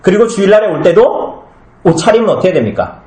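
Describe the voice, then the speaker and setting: Male pastor, conversational sermon, animated delivery with acted-out asides, roomy church sound. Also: high-pitched, quick pace. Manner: conversational, asks the congregation many questions; acts out short comic scenes with changed voices. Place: small church hall. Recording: echoey room.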